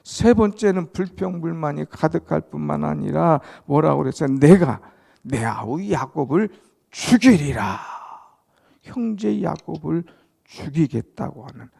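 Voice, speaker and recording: Gravelly-voiced preacher reading scripture. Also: male voice, medium pitch, warm tone. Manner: reads verses then explains them with dramatic emphasis. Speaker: pastor. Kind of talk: dawn prayer sermon with scripture reading.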